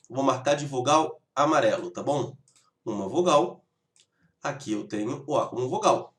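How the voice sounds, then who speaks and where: A man with a medium-pitched voice teaches grammar, explaining the rules step by step and checking in with his students over and over with "tá bom?". The room sounds echoey.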